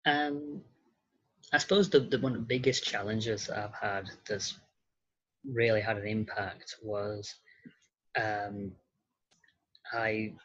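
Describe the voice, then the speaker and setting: A man talking casually as an interview guest, hesitant and halting, with an understated way of speaking. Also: fairly low pitch, fairly even intonation, a bit bright, husky, muffled recording. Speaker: podcast guest, model and actor.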